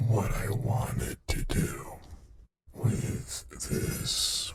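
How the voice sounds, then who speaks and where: A man's whispering voice, hushed throughout. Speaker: ASMR creator. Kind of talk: ASMR yapping monologue. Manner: soft-spoken, whispering.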